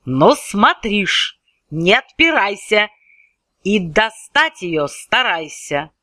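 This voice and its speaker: Lady doing a bossy old tsar, threatening, high and bright, swings up and down. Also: very animated, takes it slowly, no echo, clean studio sound, exaggerated voice. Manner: blustering, threatening, commanding. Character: angry, boastful old tsar. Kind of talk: storybook verse reading.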